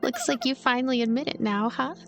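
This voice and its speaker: Woman acting young ghost girl, blunt, protective, earnest, plain-spoken, slightly high voice, visual novel, music behind. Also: animated, a little fast, a bit bright. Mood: defiant, earnest.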